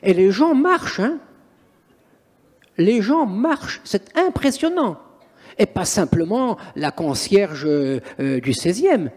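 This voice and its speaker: Emphatic priest, high lively voice. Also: male voice, takes it slowly, husky. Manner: emphatic, theatrical storyteller. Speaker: priest and exorcist. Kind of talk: interview, storytelling. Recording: long reverberant room echo.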